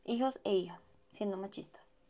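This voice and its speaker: Young Colombian woman with a Bogotá accent, casual slangy vlogger, dry throat, medium pitch. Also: moderate pace, muffled recording. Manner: gossipy and animated, heavy slang fillers, self-mocking. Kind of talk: casual chatty monologue.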